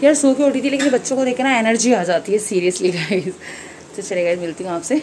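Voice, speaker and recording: A woman in her thirties with a hoarse voice, chatting casually to viewers in a home vlog, holding a phone camera at arm's length. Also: mid-range voice, steady tone, brisk, darkish tone. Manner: chatty, addresses viewers directly. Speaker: vlogger. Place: small room at home, indoors. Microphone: phone camera held at arm's length. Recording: noisy home phone recording.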